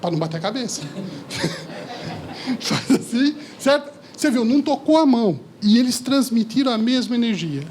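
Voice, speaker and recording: A man giving a lively seminar talk to a live audience, often asking the listeners questions. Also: very high-pitched, moderate pace, a little hiss or hum. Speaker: speaker at a seminar. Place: lecture hall with audience.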